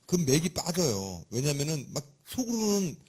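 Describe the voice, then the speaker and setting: A man preaching a sermon in a lively, conversational and humorous way, with a husky voice. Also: on the high side, moderate pace.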